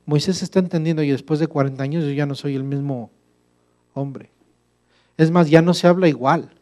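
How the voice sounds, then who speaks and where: A man's voice: a little high, fairly even intonation, normal speed, darkish tone. A male pastor preaching a sermon, emphatic and full of rhetorical questions to the congregation.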